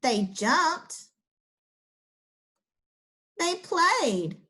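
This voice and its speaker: A young woman teacher reading a children's picture book aloud and then talking through its lesson with her class. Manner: slow, expressive storybook reading with lively pitch.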